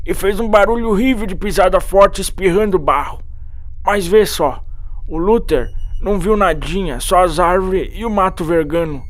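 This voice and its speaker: Man playing a high-voiced, excited backwoods farmer. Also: normal speed, close to an everyday voice. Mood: alarmed, urgent. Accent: rural Brazilian. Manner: folksy, colloquial, excited storytelling. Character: rustic farmer breathlessly recounting an unseen horror. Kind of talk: dramatized horror audiobook.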